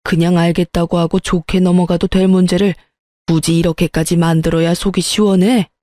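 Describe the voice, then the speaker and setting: A woman acts out a furious middle-aged father in a narrated story, his pitched-down voice spitting insults. The tone stays mellow and the recording dry, with no room around it. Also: level tone, fairly quick, no echo, natural voice. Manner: harsh, insulting scolding.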